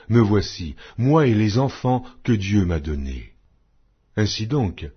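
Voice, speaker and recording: A man's voice: fairly low pitch, husky. A man reading the Bible aloud as an audiobook narrator, in a solemn, declamatory manner. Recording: dull lo-fi audio.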